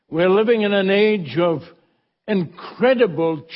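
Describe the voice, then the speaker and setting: Speaking at a fairly slow pace, a man with a Scottish accent uses a high pitch with ordinary pitch variation. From Scotland. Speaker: pastor. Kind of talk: sermon. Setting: church.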